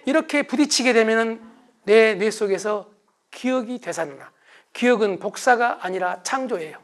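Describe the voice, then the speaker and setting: A man's voice: high-pitched, moderate pace. A middle-aged man giving a motivational lecture to an audience, acting out quarrels in a raised voice. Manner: animated, acts out quarrels in raised voice.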